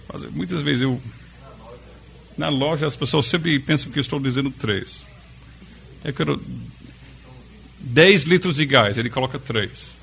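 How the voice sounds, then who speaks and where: A man with a foreign accent in Portuguese, teaching a Bible study to a group in a conversational way, with pauses and questions to the audience. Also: mid-range voice, creaky, fairly bright tone, husky. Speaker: pastor.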